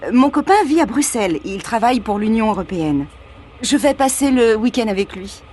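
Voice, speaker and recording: A woman from France performing everyday scenes in a scripted dialogue for learners, speaking clearly and expressively. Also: on the high side, expressive, fairly quick, a little mellow, a little hiss or hum.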